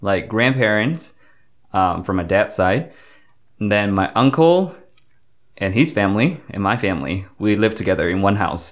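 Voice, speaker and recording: A man with a Chinese accent and a fairly low pitch, lively intonation at a moderate pace, long and frequent pauses, on a very clean recording with a silent background. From China. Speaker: former student, missionary. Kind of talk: interview.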